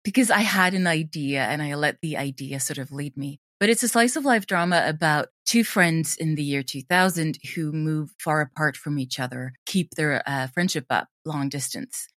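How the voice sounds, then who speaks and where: A woman's voice: sits low, moderate pace, few pauses, a bit bright, no room sound, studio quality. A woman from Sweden, chatting enthusiastically and casually as an interview guest. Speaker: interview guest, drama teacher and audio drama creator. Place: at home, remote interview.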